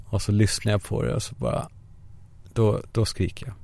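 A man's voice: lowish voice, little pitch movement, gravelly, a little mellow. A young man hosting a podcast alone from a parked car, a self-mocking, swearing comic monologue. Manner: self-mocking, swearing, acts out voices in quotes. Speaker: podcast host.

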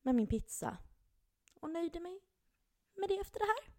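A young adult woman co-hosting a podcast, telling a story in an animated way and laughing often. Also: very high-pitched. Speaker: podcast co-host. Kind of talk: casual storytelling.

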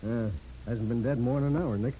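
A man's voice: medium pitch, steady tone, fairly quick, mellow, close to an everyday voice. An actor playing a blunt, slangy, overconfident police sergeant, a man in a 1940s radio crime drama. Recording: noisy vintage 1940s radio recording.

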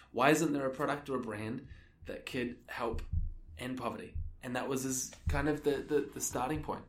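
An Australian man of thirty answers interview questions in a loose, conversational way. His voice sits at a medium pitch. It sounds roomy and set back from the microphone. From Melbourne, Australia. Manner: informal, conversational, peppered with "like" and "you know". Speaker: interview guest, social enterprise co-founder. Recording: echoey room, distant from the mic.

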